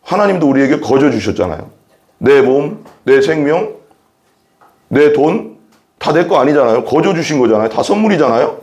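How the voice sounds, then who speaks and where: Korean pastor preaching earnestly. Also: male voice, fairly high pitch, very animated, normal speed, darkish tone. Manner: earnest, repeats phrases, asks the congregation rhetorical questions. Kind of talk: sermon with Bible reading.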